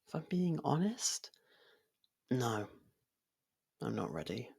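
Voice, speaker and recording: A performer voicing a gentle, lovestruck faerie in an intimate ASMR roleplay, breathy and half-whispered, speaking in a hesitant, halting way. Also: mid-range voice, sing-song, exaggerated voice. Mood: wistful, hesitant. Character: soft-spoken, lovestruck young faerie royal, shy, possessive.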